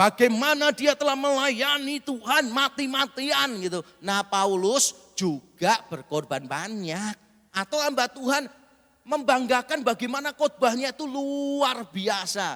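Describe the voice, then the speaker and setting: A man speaks at an extremely high pitch in a raised, projected voice that is shrill, with lively intonation and a very slow pace. The sound is dry and close with no echo. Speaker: preacher. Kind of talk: sermon. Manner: casual, animated.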